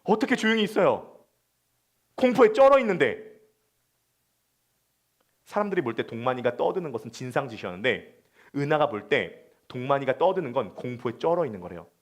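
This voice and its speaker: A male senior pastor giving a Sunday sermon in an animated storytelling way. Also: mid-range voice, fairly quick, long pauses.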